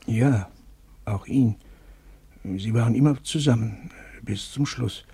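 A haunted survivor of the camps in a radio play. His voice is very husky and rather muted, sitting at a medium pitch. He speaks hesitantly, broken and apologetic, yet gentle. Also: no echo, heavily acted. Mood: grave, reflective. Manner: hesitant, halting, faltering. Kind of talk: radio drama acting.

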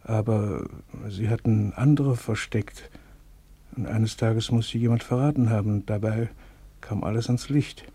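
An actor playing a broken, gentle camp survivor in a radio drama, speaking haltingly in a rough voice. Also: male voice, fairly low pitch, no echo. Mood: grave, reflective. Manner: hesitant, halting, faltering.

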